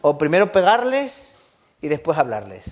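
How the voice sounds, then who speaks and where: A man's voice: on the high side, huge pitch swings, moderate pace. A man preaching a sermon as pastor, often asking the congregation questions. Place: church.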